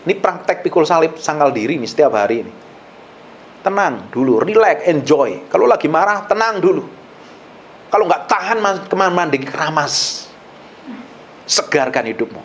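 A male pastor preaching a sermon in an animated way, swinging between loud and hushed and acting out the people he quotes. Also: on the high side, moderate pace, long pauses, slight background noise.

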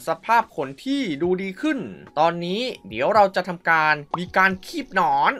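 A man's voice: sits high, very animated, moderate pace, sharp tone. A man giving playful mobile game commentary, full of exclamations and mouthed sound effects. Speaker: mobile game YouTuber and host.

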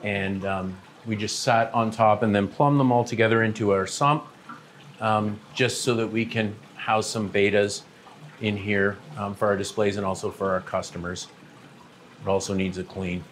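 Middle-aged man, lowish voice, relaxed shop-owner tour guide, lots of filler sounds, big indoor store. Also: moderate pace, a little hiss or hum. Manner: relaxed, many "um" fillers, pointing at products as he walks. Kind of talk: casual walking tour. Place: large aquarium shop showroom and warehouse, indoors.

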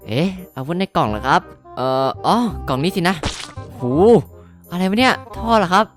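A woman's voice: on the low side, very animated, fairly quick, music in the background. Brief: woman voicing a jittery, good-hearted teen boy, polite and stammering. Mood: flustered. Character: nervous kind-hearted teenage boy hero. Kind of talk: game cartoon voice acting.

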